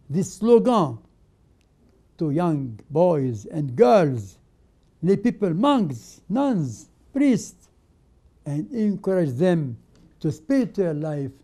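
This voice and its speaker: An older man whose first language is Arabic, presenting a religious program as a patriarch and giving a sermon in short, emphatic phrases with many pauses. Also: a little high, mellow. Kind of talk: slow spoken sermon.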